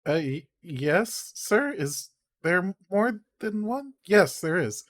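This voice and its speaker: Slow, hesitant man playing a role. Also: high-pitched, sing-song, fairly bright tone. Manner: hesitant, stammering. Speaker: player. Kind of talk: playing a tabletop game in character.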